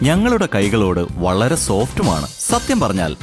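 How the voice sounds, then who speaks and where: A man's voice: fairly low pitch, wildly swooping pitch, normal speed. A man reading scripted commercial narration as a voice-over artist. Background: clear music.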